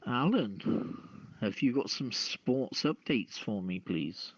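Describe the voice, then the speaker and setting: Male host, slow halting delivery, casual news-show style, muffled echoey lo-fi audio. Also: mid-range voice, animated. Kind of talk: reading news and hosting a casual call-in show. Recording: dull, echoey, lo-fi voice chat.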